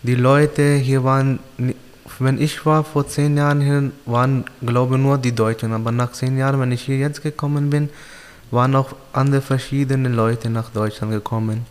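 A young man from Pakistan whose first language is Urdu, answering interview questions in simple, halting learner's German with many pauses. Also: medium pitch, fairly even intonation, clean tone, long reverb tail. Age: young adult.

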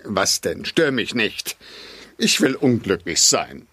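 A man's voice: lowish voice, big pitch swings, slow, sharp tone, husky, dry recording, full character voice. A man playing a grumpy, self-pitying, pompous father in a children's audio drama. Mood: miserable, grumpy. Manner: pompous, theatrical.

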